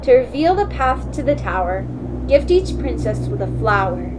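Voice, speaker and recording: A woman's voice: a little high, very animated, moderate pace, background noise. A woman thinking aloud as a detective heroine, in a scripted amateur game dub. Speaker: fan dubber voicing the game's detective heroine. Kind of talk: amateur game fandub, scripted inner monologue.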